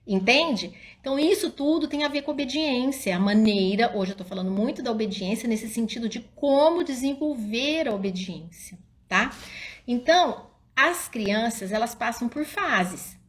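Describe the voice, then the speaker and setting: A middle-aged woman psychologist, talking casually to parents in a live stream and acting out little scenes as she tells them. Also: normal speed. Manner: animated storyteller, often addresses listeners as "gente"; drops soft and low when quoting her own calm words to the child.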